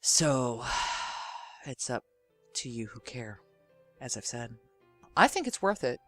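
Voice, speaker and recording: A man's voice: mid-range voice, very animated, takes it slowly, sharp tone, soft background music. A man hosting a podcast, talking informally and directly to listeners in an earnest, emphatic, rambling way. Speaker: podcast and radio drama host.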